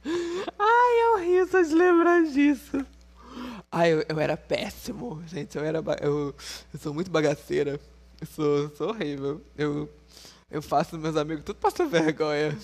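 A man's voice: a little high, moderate pace. Frank, playful young man chatting to viewers. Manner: frank and playful, laughs often. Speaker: vlogger. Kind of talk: casual storytelling to viewers.

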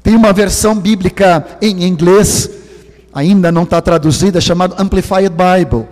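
A man in his sixties from Sweden, speaking as a preacher with a Swedish accent, stretching key words slowly and sinking into hushed near-whispers for emphasis. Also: sits high, in a large hall. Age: 60s. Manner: slow, drawn-out stress on key words. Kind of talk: sermon.

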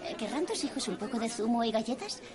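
An actress dubbing a food bank organiser who welcomes people and briskly gives directions. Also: female voice, a little high, animated, crowd noise, lightly acted. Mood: welcoming.

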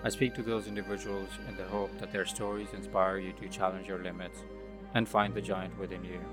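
A male podcast host calmly reading a scripted introduction to his show. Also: deep voice, fairly quick. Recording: voice over background music.

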